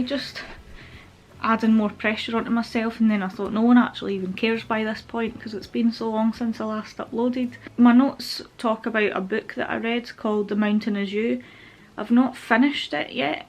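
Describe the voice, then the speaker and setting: A young woman giving a candid, meandering personal update to camera at home, a little stuffy-nosed from a cold. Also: a little high. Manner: open, meandering, with frequent fillers. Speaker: vlogger. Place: at home, with pet rabbits nearby.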